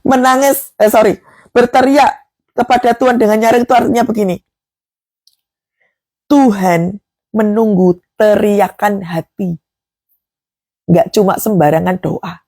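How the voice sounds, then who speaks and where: A woman's voice: mid-range voice, fairly even intonation, measured pace, pauses often, darkish tone, dry recording, clean studio sound. A woman preaching a devotional sermon, emphatic, with rhetorical questions and acted prayers.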